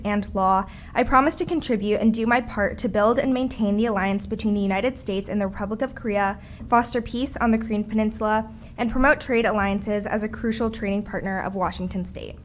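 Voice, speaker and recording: A woman's voice: a little high, fairly quick, a little hiss or hum. A teenage girl from Seattle reading an earnest, formal prepared statement as public comment. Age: teens.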